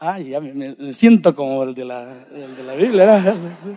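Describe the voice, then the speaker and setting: A man preaching a sermon to his congregation, addressing them directly and swinging between shouting and hushed speech. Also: fairly high pitch, lively intonation, moderate pace, crowd noise. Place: church sanctuary. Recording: long hall reverb.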